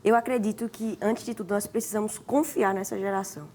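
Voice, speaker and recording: A woman's voice: medium pitch, steady tone, a little fast, darkish tone, a little hiss or hum. A woman pastor from Alagoas with a northeastern Brazilian accent, speaking politely as a talk show guest.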